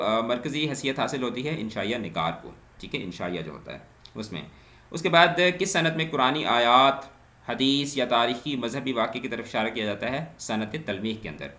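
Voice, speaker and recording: A man's voice: medium pitch, sharp tone. A man teaching an exam-prep grammar lesson, posing each question and then answering it himself, checking in with the class and mixing in English terms. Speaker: Urdu teacher. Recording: echoey room.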